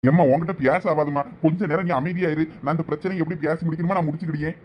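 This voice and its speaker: A man with a Thoothukudi Tamil accent voicing a firm middle-aged husband and father who calmly mediates in a cartoon family drama. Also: on the high side, very fast, slight background noise, voice pushed down, close to an everyday voice. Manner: firm, calming authority.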